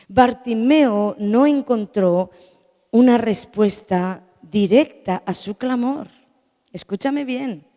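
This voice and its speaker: Fiery lady preacher, goes quiet then loud, highish voice, big echoey church. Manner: impassioned, swinging between hushed and loud emphatic preaching. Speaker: pastor. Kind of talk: sermon. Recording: long echo of a church hall.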